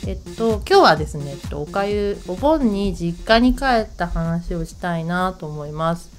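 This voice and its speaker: A woman hosts her radio talk show alone, with a lowish voice that swings widely in pitch. She talks casually and bounces through a family story, putting on her relatives' voices as she goes. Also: normal speed, soft background music. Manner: chatty, animated, acts out quoted relatives.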